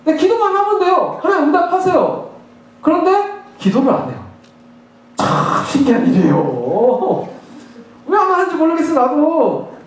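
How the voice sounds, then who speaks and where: A high-pitched man preaches with swooping, lively intonation, jumping between hushed asides and excited acted-out prayers. His voice rings through a very echoey church hall, picked up from some distance away. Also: fairly quick. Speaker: pastor. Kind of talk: sermon. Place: church sanctuary.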